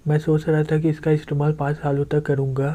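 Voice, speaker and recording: A man voicing a cocky young male driving prodigy in a flat storybook reading. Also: a little high, a little fast, close to an everyday voice.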